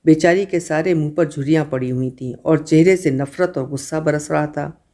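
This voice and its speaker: A woman narrating a literary short story in an even, unhurried way. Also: deep voice.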